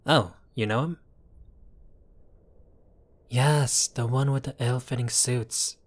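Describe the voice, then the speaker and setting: Audio roleplay lead: male actor as a chatty mafia boss, medium pitch, wry and placating, easily exasperated. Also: slow pace. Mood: indignant, gossipy. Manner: conversational, wry, placating, theatrical asides. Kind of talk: audio roleplay addressed to the listener.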